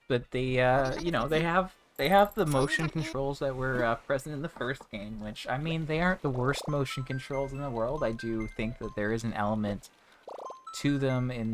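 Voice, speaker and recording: A man streaming a game, chatting casually in a rambling, ranting way with many restarts, interrupted by hiccups. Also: medium pitch. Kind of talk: casual livestream chat while playing. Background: game music.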